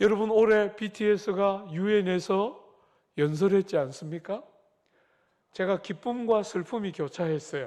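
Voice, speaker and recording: Speaking at a fairly slow pace with long, frequent pauses, a man with a high pitch and ordinary pitch variation is heard over a quiet background. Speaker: pastor. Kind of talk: sermon. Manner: animated.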